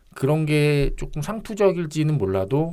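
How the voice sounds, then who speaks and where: A man's fairly high voice jumps through very wide pitch swings. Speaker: podcast co-host. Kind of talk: book review podcast talk.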